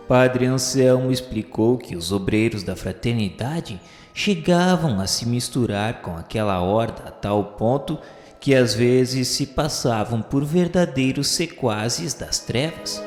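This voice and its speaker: A man narrating a radio novela in a solemn, expressive way. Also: mid-range voice, roomy sound, big-room sound.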